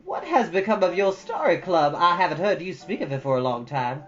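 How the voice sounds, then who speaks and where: A woman's voice: on the low side, big pitch swings, a little fast. A woman playing a sentimental older guardian in a storybook, plain-spoken and wistful. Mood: questioning. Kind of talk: storybook character dialogue. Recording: dull audio over soft guitar music.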